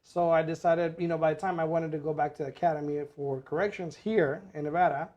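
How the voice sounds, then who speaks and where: A man co-hosting a casual podcast as a real estate agent, relaxed and chatty with many fillers. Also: fairly high pitch, fast, highs cut off. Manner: relaxed, repeats himself, filler-heavy.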